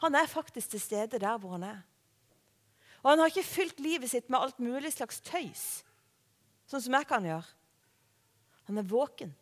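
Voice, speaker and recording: High-voiced woman preaching in a hall. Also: lively intonation, long pauses. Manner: conversational, warm-hearted preaching with rhetorical questions. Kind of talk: sermon. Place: church hall. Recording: long hall reverb.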